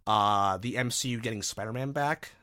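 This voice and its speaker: Laid-back man hosting a podcast. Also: on the low side. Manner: relaxed, halting, lots of ums. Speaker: podcast host. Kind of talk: casual chat. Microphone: studio microphone.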